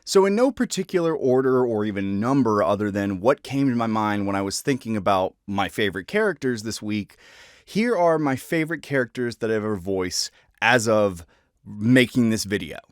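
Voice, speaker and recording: A man's voice: lowish voice, lively intonation, moderate pace, no room sound, studio quality. A man talking casually to viewers as a voice actor, presenting favorite characters.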